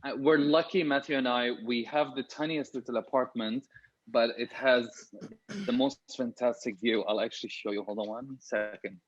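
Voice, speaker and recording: A man's voice: medium pitch, steady tone, normal speed, no room sound, highs cut off. A man from Syria speaking informally and candidly as a guest author in a casual interview over a video call from a small home office.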